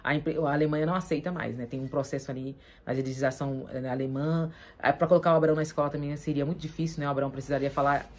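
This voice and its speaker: A young adult Brazilian woman chatting casually with her husband, speaking Brazilian Portuguese and tagging most sentences with a quick question. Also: sits low, fairly even intonation, darkish tone. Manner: chatty, frequent tag questions. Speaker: vlog host. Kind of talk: casual chat.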